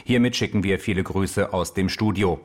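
A man's voice: deep voice, moderate pace. A man playing a radio traffic announcer, delivering scripted bulletins in a radio comedy. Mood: matter-of-fact. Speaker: traffic news presenter.

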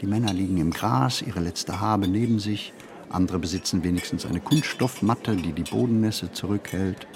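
Low-voiced, reflective ageing male writer. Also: moderate pace, crowd noise. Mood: sombre, observant. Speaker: narrator of a literary radio play. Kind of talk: literary radio play monologue.

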